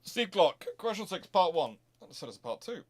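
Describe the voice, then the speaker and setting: A man hosting a casual live question-and-answer stream on history, talking in a halting way as he thinks aloud and repeats phrases. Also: high voice, big pitch swings. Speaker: host of a naval history stream.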